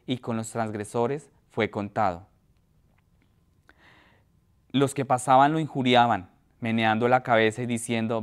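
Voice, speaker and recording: A man preaching a sermon in a church, his voice smooth and resonant at an ordinary middle pitch. He reads scripture aloud in an even, measured way, then talks to the congregation with pauses and restarts. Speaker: pastor.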